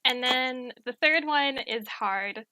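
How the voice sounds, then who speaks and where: A woman's voice: high-pitched, slow, pushed and bright, dry recording, poor audio. A woman running a casual quiz over a video call, explaining hesitantly and correcting herself as she goes. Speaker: story editor acting as trivia quizmaster. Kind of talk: casual, unscripted quiz hosting. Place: indoors on an online video call.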